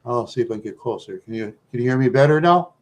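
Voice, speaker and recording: A man with an American accent chatting casually to viewers as a livestream host, rambling along in a talkative, halting way. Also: medium pitch, expressive.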